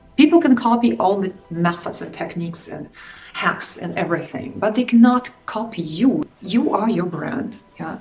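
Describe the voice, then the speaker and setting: Speaking with a non-native accent at a moderate pace, a woman with a fairly high pitch shows very wide pitch swings and big swings in loudness over noticeable background noise. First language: not English. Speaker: YouTube business coach. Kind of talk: vlog tutorial. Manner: halting.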